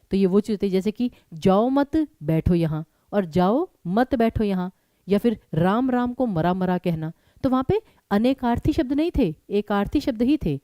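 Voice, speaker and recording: A young woman teaching a live online exam-prep class, brisk and urging students to answer quickly, mixing English words into her Hindi. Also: on the high side, warm tone, no room sound.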